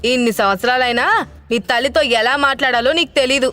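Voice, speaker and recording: Harsh, shouting older father, played by a woman narrator in an audio story. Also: high voice, steady tone, quick pace, clean tone, soft background music. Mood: furious. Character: domineering angry older father, man.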